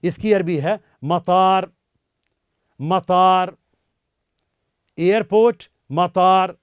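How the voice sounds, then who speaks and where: A male language teacher giving a beginner lesson, repeating each word slowly so listeners can say it after him. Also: sits high, clear, resonant tone, no echo.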